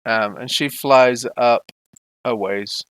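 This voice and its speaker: A man's voice: mid-range voice, takes it slowly, a bit bright, clear, resonant tone, no echo, low-quality recording. A man narrating a tabletop game as game master, in a casual, laughing, self-deprecating way.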